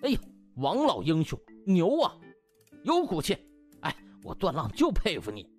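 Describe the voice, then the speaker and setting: A man voicing a smug young schemer in an audiobook, gloating with oily, mock-polite courtesy and drawn-out interjections. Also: fairly high pitch, huge pitch swings, faint music behind. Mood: feigned admiration. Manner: oily fawning mockery, drawn-out interjections, chuckling. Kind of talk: audiobook character acting.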